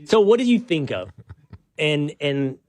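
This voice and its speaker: A middle-aged man hosting a show, talking in a relaxed, rambling way with lots of restarts and joking asides. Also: on the high side, measured pace. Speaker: podcast host. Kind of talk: casual show-opening chat.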